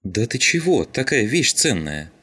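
A man's voice: mid-range voice, big pitch swings, a little slow, sharp tone, husky, voice pushed up, exaggerated voice. A man reading an audiobook, voicing a brash, mocking young skinhead.

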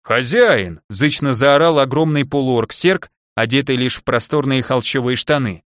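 A man narrating a fantasy audiobook in a steady, even reading voice, close to the mic. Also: medium pitch, moderate pace, no room sound. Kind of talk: scripted narration.

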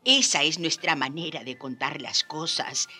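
An actress playing a dignified, grieving old indigenous woman in a radio drama, speaking solemnly and forcefully. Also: deep voice, unhurried, faint music behind, heavily acted. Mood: wounded dignity. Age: older. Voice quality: hoarse when reading forcefully.

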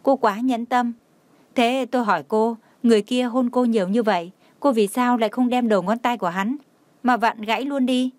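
A man's voice: extremely high pitch, moderate pace, darkish tone, dry recording. A woman voicing a playful young man who yelps and pleads when hurt, in a dry recording. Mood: whiny complaint.

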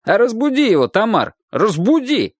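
A man doing an excited rooftop neighbor, shouting high. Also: normal speed, no echo, studio quality. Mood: pleading. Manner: shouting eagerly, swearing on his children.

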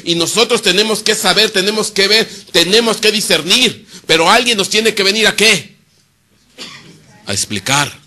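Bright-voiced preacher. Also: male voice. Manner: asks rhetorical questions and answers them himself; swings between loud emphasis and quiet, low asides. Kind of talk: sermon.

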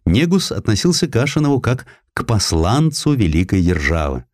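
Male audiobook narrator, low pitch, animated intonation, dramatic historical storytelling, dry recording. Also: moderate pace, no room sound. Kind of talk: expressive scripted narration of historical prose.

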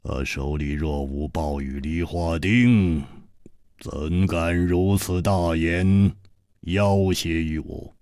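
A man voicing a cold, menacing swordsman in a black robe, speaking slowly and quietly in a storytelling performance. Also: sits low, no room sound, studio quality, pitched below the performer's own voice. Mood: cold menace. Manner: icy, slow, threatening.

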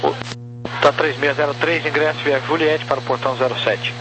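A man with a Brazilian accent working as an air traffic controller, giving procedural, clipped clearances with digits spelled out over a crackly radio. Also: fairly high pitch, fairly even intonation, brisk. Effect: crackly aviation radio. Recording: noisy crackly radio transmission with hum.

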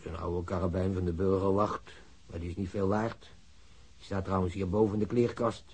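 A man's voice: deep voice, flat delivery, moderate pace, a little mellow, breathy edge. An actor playing an old working-class father, plain-spoken, weary and loyal to his son, in a naturalistic radio drama. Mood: cooperative, slightly proud. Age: older.

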